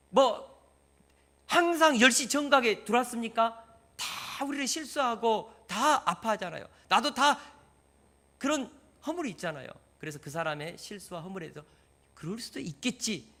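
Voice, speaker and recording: Male pastor, sermon delivery, bright and slightly high, lively, acts out example lines. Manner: lively, asks the congregation questions and acts out example dialogues.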